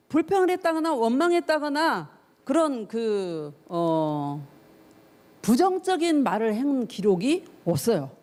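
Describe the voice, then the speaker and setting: A woman's voice: on the high side, dark tone. A woman youth pastor preaching a sermon to teenagers, telling the story with feeling, acting out the voices of the people in it and putting questions straight to her listeners. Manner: asks the listeners questions directly.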